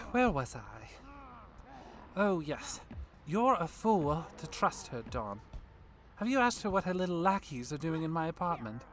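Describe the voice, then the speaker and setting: A woman's voice: sits low, sing-song, takes it slowly, long pauses, slight background noise, exaggerated voice. A woman playing a smug, imperious ancient vampire villain in an audio drama, mocking and theatrical. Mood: condescending. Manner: mocking, theatrical, given to monologuing.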